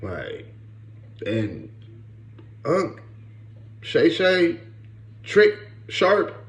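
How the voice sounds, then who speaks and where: A man's voice: on the high side, big pitch swings, extremely slow, echoey room. A man in his late thirties giving blunt, profane casual commentary and often repeating "bro" and "you know what I'm saying.". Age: 30s. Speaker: podcast host.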